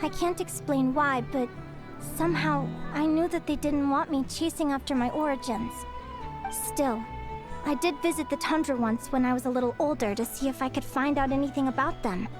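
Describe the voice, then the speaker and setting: A woman's voice: high voice, moderate pace, over music, natural voice. A woman voicing a young female bird fae in a video game, curious, bookish and cheerful, speaking in an articulate, eager and often wistful way.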